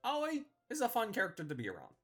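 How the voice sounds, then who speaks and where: A man's voice: sits high, wildly swooping pitch, fast, fairly bright tone, slightly rough, faint music behind. A man hosting a casual, opinionated ranking video, talking in an informal, slangy, conversational way. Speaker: video host reviewing visual novel characters. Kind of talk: casual opinionated tier-list commentary.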